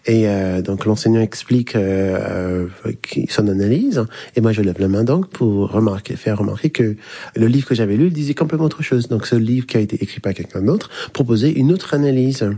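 A man's voice: fairly low pitch, normal speed, dark tone, slightly rough. A man from the English-speaking Caribbean, a university lecturer, telling a story in hesitant French with many fillers. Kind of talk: recorded interview testimony.

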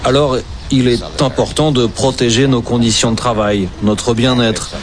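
A man reading an earnest, steady voice-over translation for a port worker. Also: mid-range voice, normal speed, a crowd in the background.

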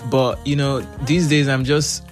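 Relaxed Nigerian man answering questions. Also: mid-range voice, measured pace, soft background music. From South East Nigeria. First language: Igbo. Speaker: musician guest. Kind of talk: casual interview answers.

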